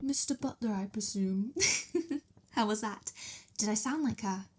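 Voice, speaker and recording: A woman's voice: mid-range voice, unhurried, dark tone, slightly rough. A woman playing a sweet, hungry young vampire mistress in an ASMR roleplay, talking in a casual, playful, giggly way. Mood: playful, friendly.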